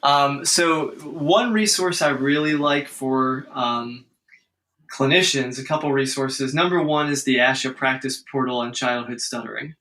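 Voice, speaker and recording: A man with a bright, clear-edged voice at an average pitch explains clinical ideas earnestly in casual podcast talk. He often repeats and restarts words as he thinks aloud. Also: unhurried. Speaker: guest speech-language pathologist. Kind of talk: conversational podcast interview.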